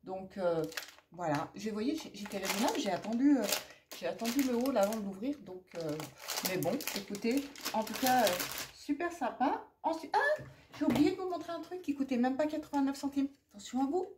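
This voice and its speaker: A woman's voice: on the high side, lively intonation, fairly quick, noisy background. A middle-aged woman from France chatting casually and rambling through a shopping haul, with many fillers and asides, and a persistent cough. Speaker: haul vlogger. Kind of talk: casual haul chat to camera.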